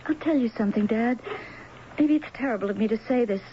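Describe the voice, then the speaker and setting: Muffled old radio drama, actress as troubled guilt-ridden wife, high American female voice, earnest, hesitant, faint background noise. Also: quick pace, lightly acted. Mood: weary, troubled. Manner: earnest, hesitant, stammering when frightened. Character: anxious, guilt-ridden wife of a jailed murderer. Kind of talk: radio mystery drama acting.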